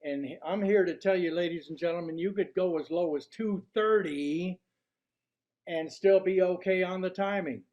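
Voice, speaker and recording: Older man, high voice, deliberate showman delivery, club speech, dull lo-fi recording. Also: darkish tone. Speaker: club speaker giving a workshop. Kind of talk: prepared public speech to a club audience. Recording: dull, lo-fi sound.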